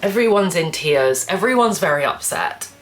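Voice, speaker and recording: A young woman, croaky from a cold, chatting casually about books to camera with lots of restarts. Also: on the low side, lively intonation, normal speed, over music. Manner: chatty, rambling, full of "like" and restarts. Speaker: book vlogger.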